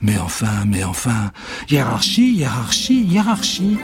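A man's voice: mid-range voice, huge pitch swings, a little slow, soft background music. A man voicing a polite, bumbling good-hearted witch who keeps chanting spells, in a storybook reading. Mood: flustered.

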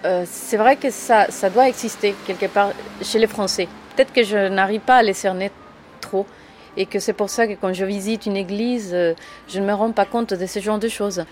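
Latin American woman, middle pitch, hesitant documentary interviewee. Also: steady tone, moderate pace, darkish tone, faint music behind. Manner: hesitant, with many fillers.

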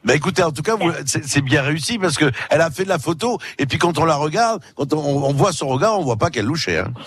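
A man's voice: on the high side, animated, quick pace, a bit bright, slightly rough, dry recording. A man hosting a live radio interview, asking friendly, leading questions. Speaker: radio host.

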